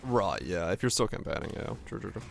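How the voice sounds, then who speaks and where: A man with a raspy voice giving loose, profane live commentary as a game streamer and answering chat offhand. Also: sits low, very animated, fairly quick, slight background noise. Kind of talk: casual live gameplay commentary.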